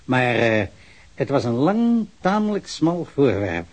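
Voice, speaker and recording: A man's voice: medium pitch, sing-song, slow. Male, radio drama: wry, chatty drinker giving testimony, sardonic and slightly tipsy. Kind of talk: naturalistic radio drama acting.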